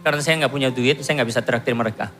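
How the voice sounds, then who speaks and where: A man in his thirties from Korea, giving a self-mocking, animated church testimony. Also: mid-range voice, rapid-fire. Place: church hall. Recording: long hall reverb with music behind.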